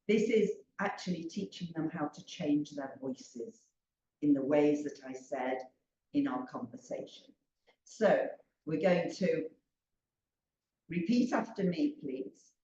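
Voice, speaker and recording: An older woman training teachers, leading a slow, emphatic interactive drama exercise over a video call. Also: deep voice, a little mellow, echoey room, muffled recording, a little hiss or hum. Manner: slow, emphatic, leads call-and-response chants. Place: home room on a video call.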